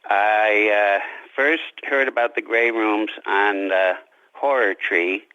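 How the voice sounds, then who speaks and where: A man speaking as an interview guest, an author, conversational, measured and wryly modest, on a remote recording. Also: on the low side, fairly even intonation, clean tone, dry recording, dull audio.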